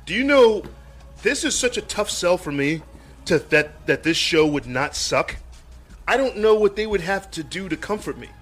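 A man's voice: high-pitched, animated, normal speed, soft background music. A man co-hosting a casual pop-culture podcast, giving frank, wry opinions. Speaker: podcast co-host.

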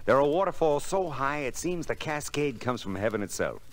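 An actor playing a dry, teasing, hard-boiled private eye in a 1940s radio detective drama. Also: male voice, medium pitch, very animated, normal speed, slight background noise, natural voice.

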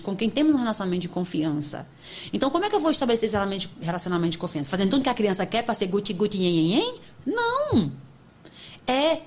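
A woman psychologist, a podcast guest, explaining in an emphatic, animated way with sudden high exclamations. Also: husky. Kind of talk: podcast interview talk.

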